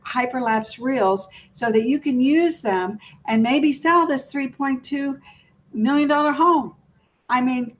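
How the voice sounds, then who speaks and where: A woman's voice: fairly high pitch, a little hiss or hum, low-quality recording. A woman presenting a casual unscripted video as a real estate agent, chatty, rambling and self-deprecating.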